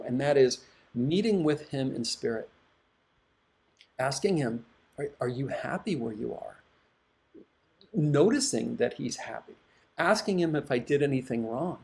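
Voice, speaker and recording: Calm man with a gravelly voice. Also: mid-range voice. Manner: calm, reflective, unhurried. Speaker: hypnotherapist. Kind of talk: advice talk to viewers.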